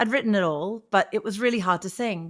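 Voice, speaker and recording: A woman talks at a fairly quick pace with lively intonation. The recording is very clean and the background silent. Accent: Australian. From Australia. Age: 40s. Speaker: singer and vocal coach. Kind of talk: interview conversation. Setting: podcast.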